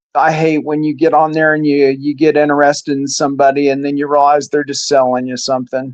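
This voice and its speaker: The delivery is monotone and flat, fairly quick, with hardly any pauses. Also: man. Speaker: livestream guest. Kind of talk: casual chat.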